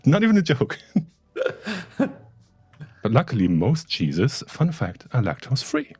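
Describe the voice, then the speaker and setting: A man's voice: mid-range voice, wildly swooping pitch, measured pace, darkish tone, husky. A man co-hosting a live stream, chatting casually and joking wryly while he works, often trailing off with fillers. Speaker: livestream co-host.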